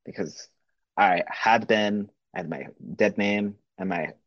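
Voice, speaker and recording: A man's voice: fairly low pitch, slow, fairly bright tone, no echo. A man co-hosting a podcast in casual chat, talking freely and laughing often, heard on slightly dull lo-fi audio. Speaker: podcast co-host.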